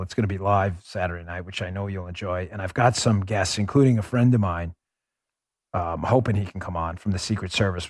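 A middle-aged man hosting a political talk podcast, speaking emphatically into a studio microphone, calling his listeners folks and dropping his voice low for emphasis. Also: dry recording. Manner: emphatic, swings loud and quiet for emphasis; addresses listeners directly as folks. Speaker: podcast host. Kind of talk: political talk show monologue.

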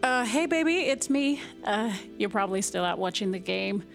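An actress playing a grieving young married woman who narrates her story quietly in an audio drama. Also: medium pitch, lively intonation, moderate pace, gravelly, faint music behind. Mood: casual. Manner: quiet, somber, reflective. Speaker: narrator and lead character.

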